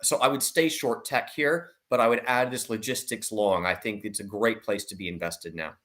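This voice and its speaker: A man's voice: on the low side, normal speed, a bit bright. Emphatic man giving market commentary. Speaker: investment analyst guest. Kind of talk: market commentary in an online discussion.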